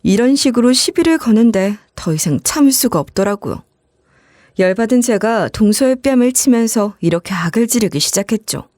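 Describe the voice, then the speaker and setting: A woman narrating a first-person story in a conversational, expressive way. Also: a little high, moderate pace, dry recording, studio quality.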